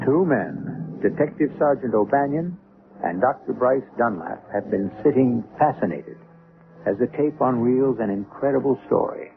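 An actor as the wry host and narrator of an old-time radio drama, speaking in a deliberate, theatrical way. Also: male voice, medium pitch, animated, vocal fry, narrow, tinny audio, slight background noise. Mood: dramatic, ominous. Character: wry, theatrical male host of suspense tales. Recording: band-limited old radio recording.

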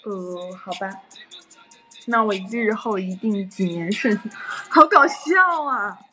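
A woman's voice: mid-range voice, animated, slow pace, pushed and bright, faint music behind. A young adult woman chatting casually on a livestream and telling stories animatedly with frequent laughs.

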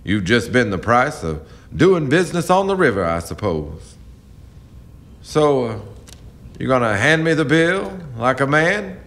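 Radio play villain: male actor as a taunting river captain, flowery talker, very animated middle-pitched delivery. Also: measured pace. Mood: mocking bravado. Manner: smooth-talking, taunting, flowery. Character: swaggering, menacing riverboat captain pressing his advances. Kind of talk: radio drama acting.

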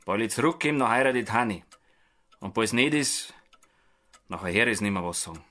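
An actor playing a stubborn young farmer's son with a Bavarian accent, plain-spoken and defiant, in an audiobook drama. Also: male voice, on the low side, lively intonation, brisk, pushed and bright. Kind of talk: dialect audiobook drama acting.

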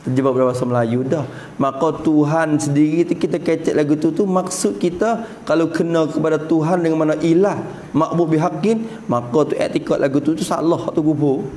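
A man's voice: a little high, brisk, warm tone, a little hiss or hum, rough recording. A man with a Patani Malay accent teaching a traditional religious kitab lesson. He explains patiently and keeps putting rhetorical questions to his students. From Patani, southern Thailand.

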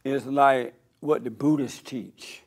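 An older man from Alabama, hosting a studio interview and asking questions with halting restarts. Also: medium pitch, steady tone, creaky, a little mellow. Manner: halting, repeats words when starting. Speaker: host.

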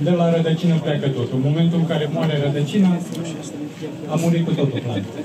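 Man, short confident answers, slightly high voice, echoey, distant mic, crowd noise. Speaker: seed company representative. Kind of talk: answering an official at an exhibition stand.

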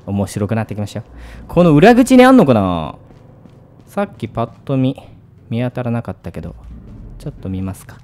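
A man's voice: medium pitch, warm tone. A man hosting a gaming video, commentating on a horror game in speech, shifting between muttering and jumpy outbursts.

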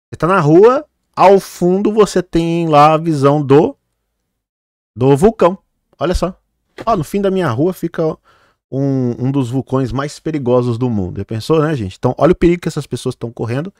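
A man's voice: on the high side, expressive, fairly quick, a little mellow. A man vlogging, commenting on news images in a loose, chatty way, with lots of fillers and direct asides to his viewers. He sometimes stumbles on difficult names and corrects himself. The sound is close and dry, with no room echo. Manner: chatty, fillers like "né" and "olha, gente"; trips over hard names. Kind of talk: casual commentary over news footage.

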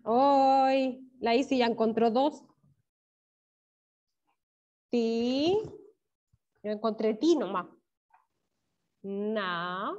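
A woman with a Chilean accent teaching an online class to young children, encouraging and praising pupils by name, drawing words out slowly syllable by syllable. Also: a little high, steady tone, dark tone. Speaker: primary school teacher. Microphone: video call. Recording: dull lo-fi video call audio.

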